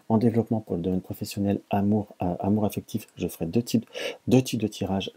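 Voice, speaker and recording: Male tarot reader, low mellow husky voice, halting and self-correcting delivery. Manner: hesitant, stammers and restarts often. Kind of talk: casual tarot reading to camera.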